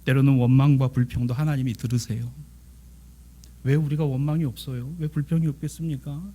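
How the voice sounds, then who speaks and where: A man preaching a church sermon as pastor, swinging between emphatic declarations and hushed, almost whispered lines. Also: medium pitch, little pitch movement, brisk.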